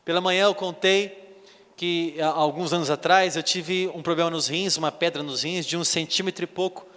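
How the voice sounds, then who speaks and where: High-voiced preacher in a reverberant church. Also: male voice, normal speed. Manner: animated storytelling, acts out dialogue. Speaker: bishop preaching. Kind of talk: sermon.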